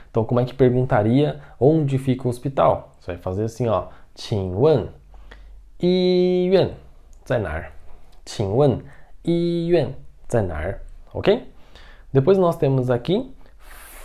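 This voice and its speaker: A man teaching an online language lesson. He patiently says each new word slowly and more than once, and keeps checking that the listener follows. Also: mid-range voice, mellow. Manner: patient, repeats words slowly and checks in often. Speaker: Mandarin teacher.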